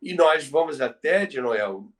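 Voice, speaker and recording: A man's voice: fairly high pitch, animated, unhurried. An older Brazilian man co-hosting a conversational talk on history, explaining in an emphatic, didactic way and repeating phrases. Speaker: co-host, former radio professional. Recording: distant from the microphone.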